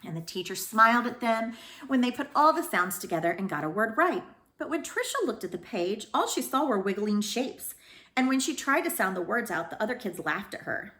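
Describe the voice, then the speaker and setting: A woman speaking as a school librarian who reads storybooks aloud to children in an expressive way. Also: on the high side, a little fast, reverberant. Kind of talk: storybook read-aloud with informal introduction.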